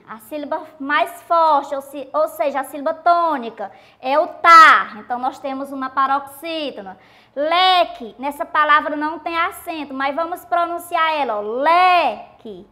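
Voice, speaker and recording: A woman teacher with a Brazilian Portuguese accent walks students through a recorded lesson in a high, bright voice. She explains patiently and repeats herself, slowing down to stress each syllable of her example words.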